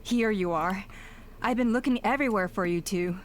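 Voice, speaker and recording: A woman voices an earnest tribal elder in a video game. She has a medium pitch and a formal, measured delivery. A faint background noise sits under the words. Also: lightly acted. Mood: serious.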